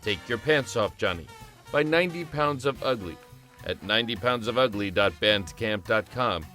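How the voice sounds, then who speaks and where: A man's voice: on the low side, expressive, moderate pace, pushed and bright. A man reading scripted audio drama credits as an announcer. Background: faint music.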